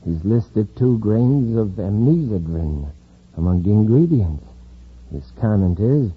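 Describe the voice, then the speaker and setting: A man's voice: on the low side, very animated, a little slow, breathy edge, full character voice. A man playing a scheming criminal gang boss in an old radio drama, curt and commanding. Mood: menacing. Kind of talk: 1950s radio drama acting. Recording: dull lo-fi old radio recording.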